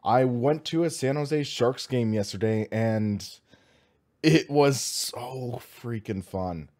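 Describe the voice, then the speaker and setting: Slightly hoarse young American man livestreaming. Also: medium pitch, takes it slowly, a little mellow. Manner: upbeat, enthusiastic, informal. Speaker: host of a sim racing livestream. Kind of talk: casual livestream chat.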